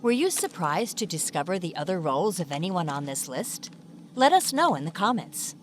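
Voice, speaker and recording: A woman's voice: fairly low pitch, sing-song, moderate pace, faint music behind. A woman reading scripted narration for an online video as a voice-over. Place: close, dry voice-over recording.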